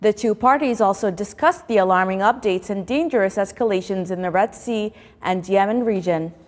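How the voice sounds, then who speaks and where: A woman's voice: mid-range voice, normal speed, big-room sound. A woman news presenter reading a formal, scripted news bulletin.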